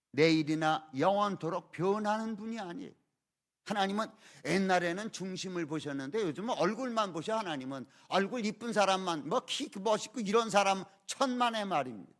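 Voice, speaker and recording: A man's voice: high voice, animated, moderate pace, fairly bright tone. An older man, an emeritus pastor, preaching a sermon in church with emphatic rhetorical questions. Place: church sanctuary.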